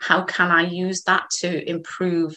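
Against a quiet background, a woman speaks at medium pitch in a bright, sharp tone. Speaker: event and podcast host. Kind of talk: hosting a live discussion. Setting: video call.

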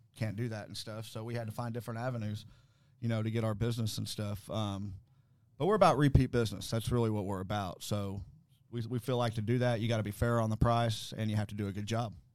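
A man with a Texan accent speaks very fast in a fairly low, monotone, flat voice, recorded very cleanly against a silent background. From Texas, Abilene. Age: 40s. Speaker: carpet cleaning business owner. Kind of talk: interview.

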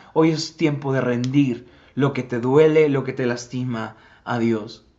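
With fairly even intonation, a man talks amid audible room echo. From Mexico, Tepetitla (Puebla). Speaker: pastor. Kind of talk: sermon.

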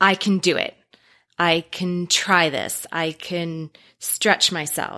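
A woman with an American accent, a bright, sharp tone, medium pitch and a very slow pace. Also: very clean recording, silent background. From US Midwest, Chicago area. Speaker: nurse and health coach. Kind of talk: interview.

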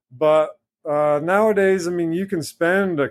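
With an American accent, a man speaks at a fairly slow pace and with fairly even intonation. He has an unremarkable speaking voice. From central Virginia. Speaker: nature photographer and writer. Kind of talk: interview conversation.

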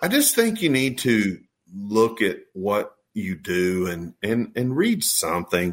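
A man speaks with a Texan accent and a fairly low pitch. The recording is very clean, with a silent background. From Texas. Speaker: fire chief. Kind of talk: casual chat.

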